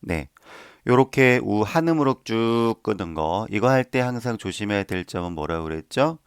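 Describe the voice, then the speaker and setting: A man's voice: on the low side, expressive, moderate pace, clean tone, dry recording, clean studio sound. A man teaching a voice lesson, patiently explaining each step and demonstrating the sounds himself. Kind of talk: instructional voice lesson.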